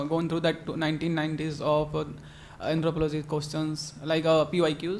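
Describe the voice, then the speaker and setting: A man with an Indian accent speaks at a very slow pace. His pitch is fairly high. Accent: Hindi-accented Indian English. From India, Hindi-speaking region. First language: Hindi. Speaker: exam aspirant, audience member; audience member. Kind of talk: audience question. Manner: halting. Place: classroom. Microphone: handheld.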